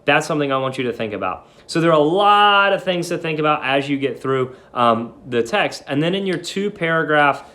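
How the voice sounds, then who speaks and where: A man's voice: fairly high pitch, lively intonation, a little fast, hardly any pauses, sharp tone. A man speaking as a teacher, reading a story aloud and explaining it informally.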